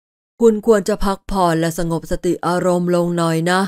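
A wary grown man, voiced by a woman narrator, pushes his words out slow and low, friendly on the surface with caution underneath. It is a storybook reading in a dry, close sound. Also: fairly even intonation, a little mellow, smooth, no echo, lightly acted. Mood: guarded. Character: wary middle-aged man, forcing a friendly tone.

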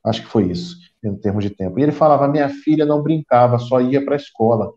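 A middle-aged Brazilian man, a guest on a casual video call, explains at length and keeps restarting his sentences in a Brazilian Portuguese accent. His medium-pitched voice is fast and mellow, and the call audio sounds roomy and dull.

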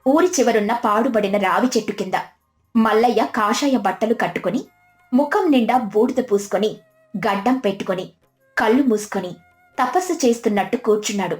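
A woman's voice: on the high side, normal speed, a little mellow. A woman narrating a scripted village moral tale in storybook style. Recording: music behind the voice.

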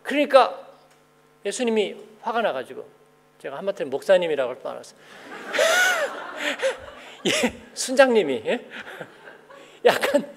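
Speaking a little slowly in a high, creaky voice with long pauses, a male pastor delivers a conversational sermon. He animatedly questions the congregation and acts out those he quotes, his words echoing with the long reverb of the church sanctuary.

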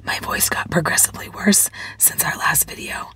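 A woman's voice: moderate pace, pushed and bright, faint music behind. A woman in her forties who has lost her voice, whispering a vlog to camera from inside a parked car. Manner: breathy whisper, friendly pitch to viewers. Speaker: prepping vlogger. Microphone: phone camera at arm's length.

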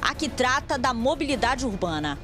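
A woman reporter with an Amazonas Brazilian accent reads a scripted news voice-over. Her high voice stays measured and informative. Clear music runs underneath. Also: very animated, a bit bright. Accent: Brazilian Portuguese, Amazonas.

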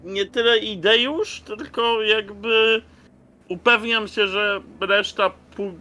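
Male tabletop player, hesitant and casual, very slow delivery, sharp higher voice. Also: fairly even intonation. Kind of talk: casual tabletop roleplay talk.

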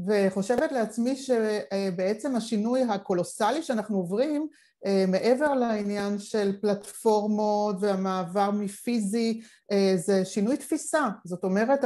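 A woman's voice: medium pitch, mellow. A woman speaking reflectively and expansively in an online panel discussion, talking over a video call from her living room. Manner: reflective, expansive, thinking aloud. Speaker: panel participant.

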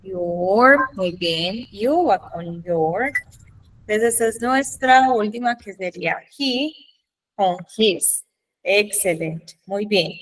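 A woman with a Colombian Spanish accent teaches a class an English grammar lesson, drawing out her model sentences slowly and checking in often with "¿Listo?" Her voice is mid-range, and the recording is low quality with the mic far away.

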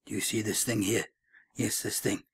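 A man voicing a lecherous, coaxing creep in a hushed, slow manner for dark comedy. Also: on the low side, level tone, husky.

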